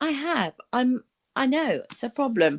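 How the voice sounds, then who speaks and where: In an English accent, a woman speaks in an animated tone with very wide pitch swings. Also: dry, close sound with no echo. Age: 60s. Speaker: interview guest. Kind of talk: casual chat.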